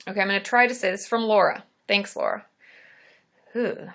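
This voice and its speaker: A woman's voice: mid-range voice, fairly quick, gravelly, a bit bright. A woman therapist hosting a live Q&A stream, chatting casually, laughing often and poking fun at herself.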